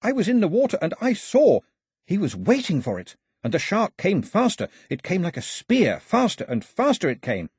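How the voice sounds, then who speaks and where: A man doing an excitable, high-voiced boy. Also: a little fast, hardly any pauses, slightly rough, no echo, full character voice. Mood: dramatic. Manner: breathless, dramatic, high-pitched. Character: excitable young boy, nervous storyteller.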